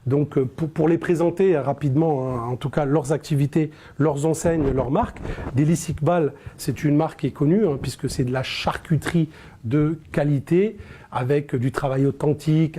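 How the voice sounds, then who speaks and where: A man's voice: a little high, dark tone. A man hosting a studio interview, speaking with many fillers and restarts. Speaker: interview host. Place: studio set.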